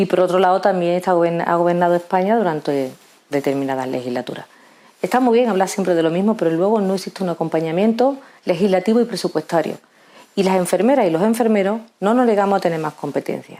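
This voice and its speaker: Spoken with an Andalusian accent at a very fast pace, the voice has a dark, mellow tone. Its intonation is lively. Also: woman, medium pitch for a woman. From Andalusia, Seville. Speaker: politician, nurse and trade unionist. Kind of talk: interview. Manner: halting, with fillers and restarts.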